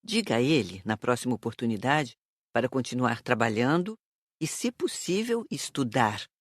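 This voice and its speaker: A performer playing a patient, moralizing spirit teacher, explaining in a measured, didactic way for an audiobook. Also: mid-range voice, sing-song, dry recording, clean studio sound. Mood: calm, instructive. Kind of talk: audiobook character reading.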